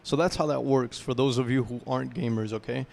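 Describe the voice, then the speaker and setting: A man's voice: mid-range voice, steady tone, brisk, gravelly, darkish tone. A young man giving a casual self-improvement talk to camera, loose and rambling, often checking in with "right?" and explaining through gaming comparisons.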